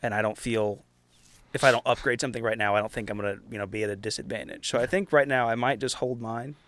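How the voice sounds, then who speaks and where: A man with a medium-pitched voice chats casually as a player in a tabletop game. He rambles a bit, working out his thoughts as he goes. The recording is dry and close. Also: fairly even intonation, fast, fairly bright tone, no room sound. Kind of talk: casual chat.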